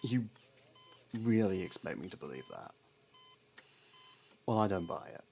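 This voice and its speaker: A man acting a sarcastic, scolding criminal partner who hides his worry, in an ASMR roleplay with halting pauses. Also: low voice, animated, vocal fry, a little mellow, a little hiss or hum, heavily acted. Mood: skeptical, reluctant. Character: gruff, sarcastic criminal partner, secretly worried.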